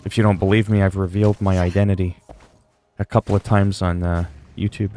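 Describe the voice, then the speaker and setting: A man's voice: low-pitched, little pitch movement, brisk, darkish tone, soft background music. A man in his forties chatting casually on a livestream, reading viewers' messages aloud and answering them in a rambling way. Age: 40s.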